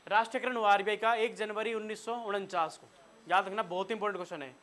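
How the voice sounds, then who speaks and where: Bright-voiced Hindi-accented male teacher. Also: high voice, steady tone, fast. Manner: quizzes students and has them take notes. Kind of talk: classroom lecture.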